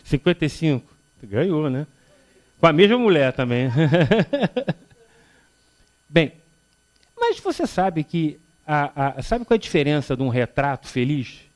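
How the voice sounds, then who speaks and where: A man from Rio de Janeiro in his fifties gives a public spiritist lecture in a hall. His voice sits a little high and moves through a lively range of pitch. He jokes with the audience and acts out short exchanges between the people in his stories. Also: measured pace, pauses often. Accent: Carioca Brazilian Portuguese. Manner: animated, joking storyteller who acts out dialogue.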